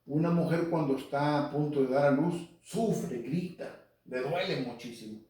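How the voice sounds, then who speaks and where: This lay Catholic preacher teaches the Bible in Spanish, reciting scripture and speaking directly to congregants by name. He has a mellow, somewhat high voice at an ordinary pace. The mic is far off in a hall full of echo.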